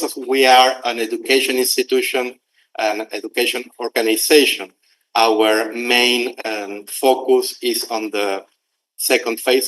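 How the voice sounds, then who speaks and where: Middle-aged man, lowish voice, conference speaker, conversational and searching for words. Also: fairly bright tone, rough recording. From Argentina. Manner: conversational, with pauses to find words. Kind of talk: conference presentation.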